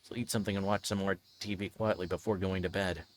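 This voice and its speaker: Livestreaming a visual novel, this man talks casually and reads aloud at a quick clip, sometimes stumbling as he goes. His voice is low-pitched, with fairly even intonation.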